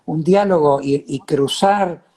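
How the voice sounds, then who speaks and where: A man with an Argentine accent hosting a casual, reflective chat, halting and repeating words as he searches for phrasing. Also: fairly high pitch, a little mellow. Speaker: host of a talk series.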